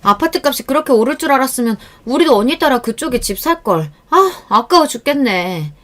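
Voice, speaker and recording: A woman voicing a sharp-tongued middle-aged aunt who scolds and needles her niece in a spoken true-story tale. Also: high voice, expressive, brisk, pitched above the performer's own voice. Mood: envious.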